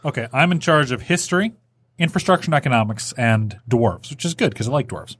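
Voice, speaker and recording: A man's voice: mid-range voice, lively intonation, fairly bright tone, slightly rough. A man co-hosting a podcast in a studio, chiming in agreeably in casual chat. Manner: quick, agreeable, chimes in. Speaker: podcast co-host.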